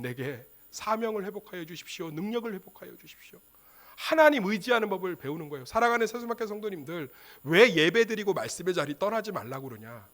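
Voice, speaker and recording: Male pastor in a church sanctuary, lively and high-pitched, preaching with questions and acted-out prayers. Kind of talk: Sunday sermon.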